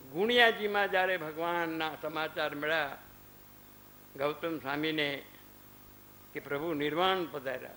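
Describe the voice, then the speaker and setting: The low-quality recording, with some hiss or hum, features a man in his fifties whose voice is on the high side, pushed and bright. Speaking at an ashram, he delivers a spiritual discourse built on stories, quoted exchanges and rhetorical questions.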